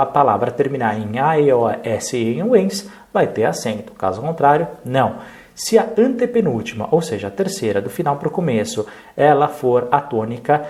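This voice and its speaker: A man with a Brazilian Portuguese accent teaching a review lesson at a middle pitch. He explains each point step by step and keeps checking in with his listeners through short tag questions. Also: darkish tone.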